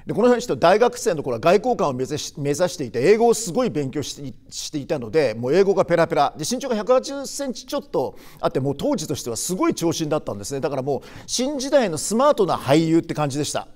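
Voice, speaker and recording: Animated older man explaining films. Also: fairly high pitch. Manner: chatty explainer, frequent filler pauses. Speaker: film commentary host. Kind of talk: casual film commentary.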